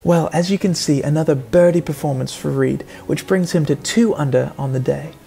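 A man giving earnest, deadpan play-by-play as a mock golf commentator in a parody sports broadcast. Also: a little high, a little fast, gravelly, breathy edge. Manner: earnest play-by-play, building to excited outbursts.

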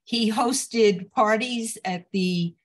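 An older woman, a photographer, reminiscing in an unhurried interview with fillers and restarts. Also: medium pitch. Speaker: photographer and guest. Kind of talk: conversational interview over video call. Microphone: video call.

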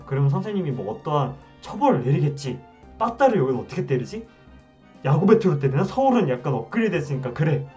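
Animated young man telling a story. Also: fairly high pitch. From Wonju, South Korea. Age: 20s. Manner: animated, acts out scenes. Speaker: vlogger. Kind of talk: casual storytelling to camera. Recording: dull sound, slightly distant, music behind.

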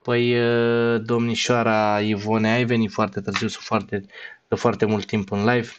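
A man's voice: fairly low pitch, little pitch movement, dull audio, a little hiss or hum. A man streaming live, signing off with a long run of thanks to his viewers and some blunt, crude teasing. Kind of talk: casual live-stream sign-off.

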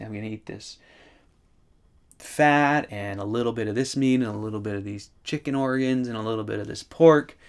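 A man's voice: mid-range voice, gravelly. A man in his forties talking casually to the camera from a wooden room, rambling and thinking aloud with many asides. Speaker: vlogger. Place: wooden room by a large window.

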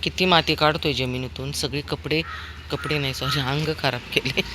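A woman's voice: extremely low pitch, steady tone, moderate pace, noisy background. A woman vlogging her dog, chatting away and fondly scolding and coaxing him. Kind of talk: casual pet vlog commentary. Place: outdoors on a walk, later at home.

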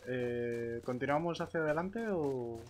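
A man chatting casually and a little haltingly with a teammate during an online roleplay game. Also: medium pitch, faint music behind. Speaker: roleplay gamer.

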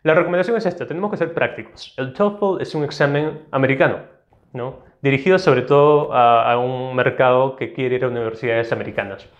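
A man teaching an online test-prep lesson, explaining step by step and checking in with quick tag questions. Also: medium pitch, dull audio. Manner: instructive, ends points with tag questions. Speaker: TOEFL teacher.

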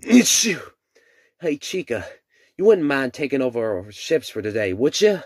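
A man voicing an excitable, folksy animatronic bear in an exaggerated, overacted cartoon fandub style. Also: medium pitch, moderate pace, no room sound, clean studio sound. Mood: weary.

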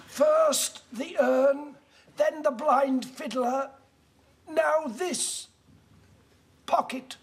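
An actor with a British accent playing a long-suffering, deferential manservant. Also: male voice, very high voice, steady tone, very slow, long pauses, exaggerated voice. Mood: sullen. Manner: deferential, sullen. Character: long-suffering male servant. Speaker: servant.

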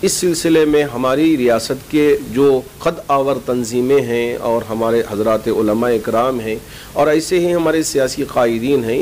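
Middle-aged male cleric, mid-pitched, measured formal statement with pauses, indoor recording with noise. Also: a little mellow, low-quality recording. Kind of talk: spoken public statement to camera. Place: small indoor office lined with bookshelves. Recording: clear background noise, low rumble.

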